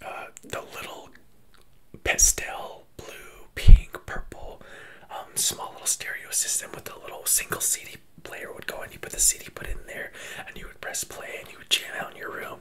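A man whispering at a moderate pace, with big swings in loudness. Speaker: ASMR creator. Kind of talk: ASMR fashion commentary. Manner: whispered. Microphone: studio mic.

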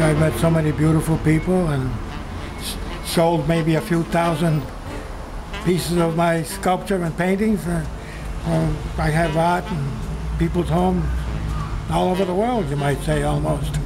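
A man keeps a moderate pace but makes long, frequent pauses, with noticeable background noise behind him. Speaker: metal sculptor. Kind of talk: interview answer. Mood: reflective, content. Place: workshop. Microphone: camera far.

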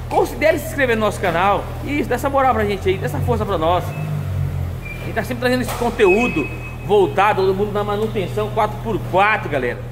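There is music in the background. The speech moves at a fairly quick pace. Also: man. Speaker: mechanic shop owner host. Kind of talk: casual vlog chat. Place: workshop. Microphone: lapel.

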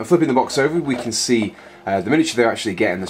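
The voice belongs to a man. Music sounds faintly behind him. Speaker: hobby channel host. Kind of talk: unboxing review commentary. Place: home room.

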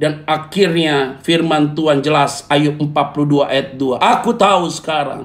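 A man's voice with an animated tone. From Indonesia. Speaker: pastor. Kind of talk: sermon. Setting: Instagram live stream. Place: home room. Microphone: phone near.

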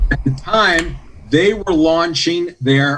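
A man with an American accent, somewhat breathy, at a very slow pace. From New York City. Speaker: interview guest. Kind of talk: interview. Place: home room. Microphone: webcam.

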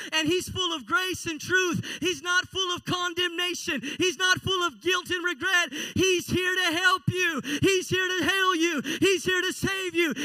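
A man's raised, projected voice at an extremely high pitch, bright and sharp in tone, at a fairly slow pace with hardly any pauses and fairly even intonation, over a quiet background. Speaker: pastor. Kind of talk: sermon, pentecostal-style Sunday preaching. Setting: church. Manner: rhythmic, repetitive preacher cadence building momentum; reassuring, exclamatory with interjected praise. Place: church. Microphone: handheld.

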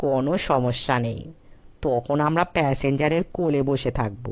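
Someone uses a put-on character voice at a low-to-middle pitch and a moderate pace.

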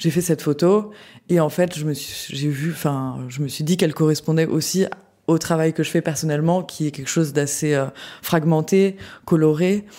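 A woman speaks at a fairly quick pace in a very deep, low pitch. Her tone is dark and mellow, and her intonation fairly even. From France, Paris. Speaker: photographer. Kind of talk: casual interview. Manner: hesitant, many fillers.

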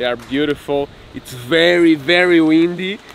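The sound is dry, with no echo. A man speaks with light background noise behind him. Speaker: angler host. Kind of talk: casual commentary. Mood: excited, cheerful. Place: waterside. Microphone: phone near.

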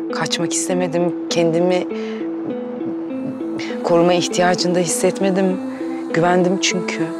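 Over loud background music, a woman speaks at a very slow pace with long, frequent pauses, and the sound is dry with no echo. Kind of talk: scripted drama dialogue, emotional confession. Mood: hesitant, tender, serious. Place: car.

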